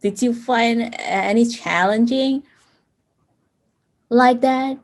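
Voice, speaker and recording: A woman with a strong East Asian accent who speaks English as a second language, asking casual questions haltingly as a language student. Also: fairly high pitch. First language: non-native English speaker. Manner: halting, searching for words.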